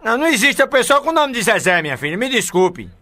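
High, bright-voiced prankster man. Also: big pitch swings, quick pace. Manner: teasing, mock-polite, repeats catchphrases. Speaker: prank call radio host. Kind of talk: prank phone call banter.

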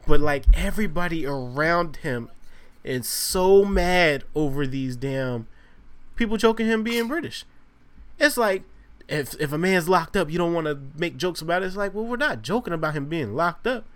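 A man with an American accent and a slightly raised pitch hosts a casual podcast. He talks in slang, states his opinions freely and keeps a joking edge. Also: lively intonation, moderate pace, fairly bright tone, clear, resonant tone. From Virginia, United States. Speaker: podcast host.

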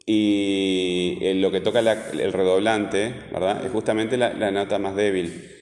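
A man's voice: deep voice, steady tone, unhurried, darkish tone. A man with a Rioplatense accent, a teacher questioning a student and explaining concepts with many fillers. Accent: Rioplatense Spanish. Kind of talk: interviewing a student in class. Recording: echoey room with long reverb.

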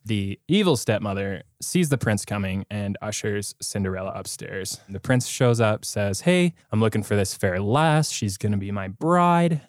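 A man's voice: fairly low pitch, dry recording, studio quality. A man co-hosting a podcast, retelling a tale in a casual, comedic, informal way with free swearing. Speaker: podcast co-host.

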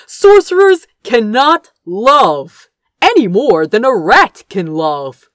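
A woman's voice: medium pitch, sing-song, slow, dry recording, clean studio sound. A woman voicing a smug, impatient royal brother in an audiobook, curt, scoffing and patronizing. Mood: condescending. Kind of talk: dramatic audiobook character dialogue.

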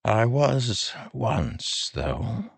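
A man voicing a frail, weary old king who speaks with a soft, drawn-out, sorrowful delivery. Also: mid-range voice, very animated, vocal fry, breathy edge, no room sound, voice pushed up, full character voice. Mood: melancholy. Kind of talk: audiobook character voice.

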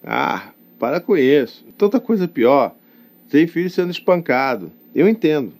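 A man's voice: lowish voice, darkish tone. A man with a Brazilian Portuguese accent, a father talking to his camera in a personal, confessional vlog, reflective and hesitant, often adding tag questions. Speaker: father of young children. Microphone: talking to camera, self-recorded.

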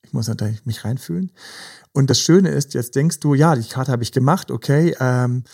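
Gravelly, mellow-voiced male podcast host. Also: mid-range voice, normal speed. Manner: gentle, advising, many fillers. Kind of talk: casual podcast chat about relationships.

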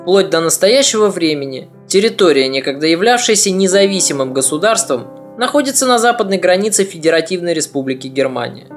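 Give me a man narrating history in a measured, slightly wry way, with light music underneath. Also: sits high, animated. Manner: measured, ironic storytelling. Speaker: podcast narrator.

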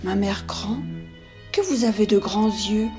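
A woman's voice: mid-range voice, unhurried, over music, lightly acted. A woman voicing a sweet, trusting little girl in a red hood in a read-aloud fairy tale. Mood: wondering.

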